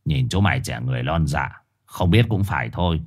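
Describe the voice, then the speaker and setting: A man doing a gruff raspy street dog. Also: very deep voice, animated, brisk, voice pushed down. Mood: low, conspiratorial. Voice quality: hoarse, raspy. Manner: growling, rough, condescending. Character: gruff streetwise male black four-eyed dog, bossy.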